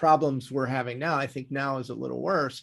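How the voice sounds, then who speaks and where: Against a quiet background, a man speaks with an American accent in an unremarkable speaking voice. His pitch is fairly high, with ordinary pitch variation. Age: 60s. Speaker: nonprofit founder and filmmaker. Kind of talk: interview.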